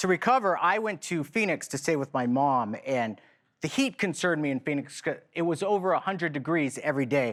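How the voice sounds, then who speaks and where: This man talks at a very fast pace in an American accent. His pitch is fairly high and his intonation lively. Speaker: stand-up comedian. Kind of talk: stand-up. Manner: slight slur.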